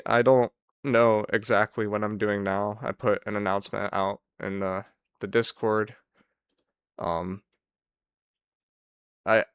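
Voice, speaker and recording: Guy doing a casual gaming channel goodbye, kinda bummed and resigned, clean smooth voice, dry close sound. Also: lowish voice, a bit bright, no room sound. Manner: downcast, wistful, sighing resignation. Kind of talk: casual unscripted farewell commentary on a video game.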